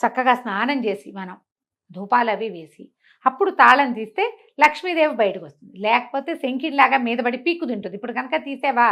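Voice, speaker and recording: A woman's voice: a little high, expressive, brisk, a bit bright. A woman storyteller voicing a sly old village woman who coaxes and warns, repeating her words in a folk tale. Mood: warning, cajoling.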